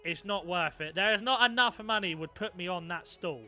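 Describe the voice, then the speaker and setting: A man's voice: high voice, moderate pace, pushed and bright, soft background music. A young man chatting casually on a live stream, swearing freely and reacting to his viewers. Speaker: gaming streamer.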